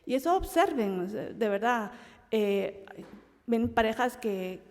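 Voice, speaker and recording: Animated woman teaching Bible study. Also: fairly high pitch, a little slow, in a large hall. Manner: animated, acts out quoted voices, laughs often.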